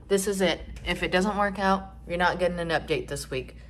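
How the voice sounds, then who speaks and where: A young trans man chatting casually in a vlog, rambling with lots of fillers and some swearing, his voice rising when he gets excited. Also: fairly quick, slight background noise. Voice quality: voice still fairly high, rising when excited. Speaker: vlogger.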